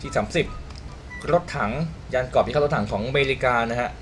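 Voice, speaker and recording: A young man with a hoarse voice commentating a game replay in a casual way, explaining the mechanics and exclaiming at big shots. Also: mid-range voice, a little fast, fairly bright tone, soft background music. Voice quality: hoarse from just waking up.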